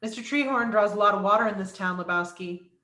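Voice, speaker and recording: A woman's voice: medium pitch, fast talker, pushed and bright, natural voice. Woman playing a hostile police chief, echoey room. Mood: contemptuous, menacing. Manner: curt, contemptuous, profane. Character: hostile, bullying male small-town police chief. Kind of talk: virtual table read of a film script.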